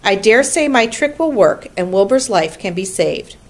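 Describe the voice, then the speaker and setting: Charlotte, a crisp, tart spider voiced by a woman. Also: medium pitch, lively intonation. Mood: brisk. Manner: brisk, schoolmarmish, dryly tart. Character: wise, precise female barn spider leading a meeting. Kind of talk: storybook reading.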